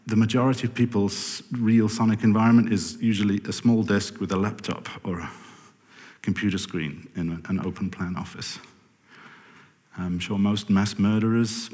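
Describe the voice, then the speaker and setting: A man's voice: lowish voice, a little mellow. Rambling man talking in a hall. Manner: rambling, self-correcting, wry asides. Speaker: podcast producer giving a talk. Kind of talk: conference talk. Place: lecture hall with audience. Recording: reverberant hall.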